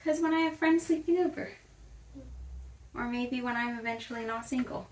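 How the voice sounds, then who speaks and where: A woman's voice: a little high, normal speed, distant mic, a little hiss or hum. A young woman vlogger chatting casually in her bedroom while she tidies, rambling and correcting herself as she goes. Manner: rambling, self-correcting, talks while tidying. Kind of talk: casual chatty vlog narration.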